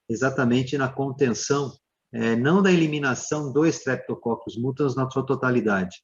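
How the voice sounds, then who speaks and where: A man speaking as a dentist guest, explaining slowly with many fillers and tag questions. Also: medium pitch, highs cut off. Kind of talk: live Q&A explanation.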